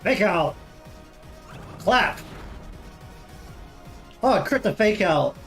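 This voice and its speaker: Male gaming host, high voice, chatty and joking, casual swearing, faint music under. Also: animated, drawn-out words, a bit bright. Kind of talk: casual let's-play commentary.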